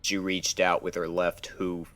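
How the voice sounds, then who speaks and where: A man's voice: deep voice, completely flat delivery, measured pace, a bit bright. A man reading scripted fan fiction as the narrator of a dramatic story.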